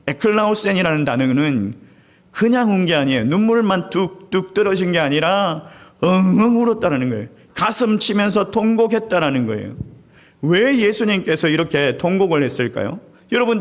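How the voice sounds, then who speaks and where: High, lively-voiced man preaching a sermon. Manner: animated storytelling, acting out crowds and weeping; often appeals directly to the congregation. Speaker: senior pastor. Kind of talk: Sunday sermon. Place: church sanctuary.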